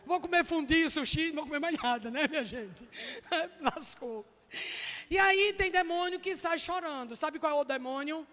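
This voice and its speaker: A woman preacher with a Northeastern Brazilian accent, giving a jokey, chatty sermon that bursts into shouts. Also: sits high, moderate pace, big-room sound. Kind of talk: lively humorous sermon. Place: church hall.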